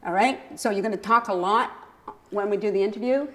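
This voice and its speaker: A woman's voice: medium pitch, a little fast. A woman hosting a casual community TV talk show, chatty and teasing, laughing often as she questions her guests in the studio.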